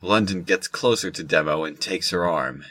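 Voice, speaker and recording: A man's voice: deep voice, normal speed, sharp tone, no echo. A man reading scripted third-person narration for an audio drama.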